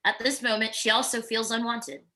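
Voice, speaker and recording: A woman's voice: fairly high pitch, little pitch movement, a little fast, sharp tone. A woman narrating stage directions from a script at a virtual table read. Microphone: video call microphone.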